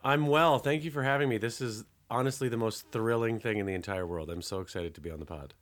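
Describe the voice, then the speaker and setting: A man's voice: medium pitch, fast. A man appearing as a guest comedian on a podcast, making wry, self-mocking jokes in casual chat.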